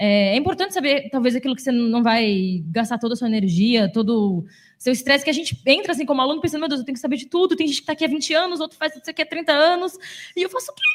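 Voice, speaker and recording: A woman speaks very fast at a high pitch, with very wide pitch swings. The recording is very clean, with a silent background. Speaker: sports TV journalist. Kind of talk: panel talk.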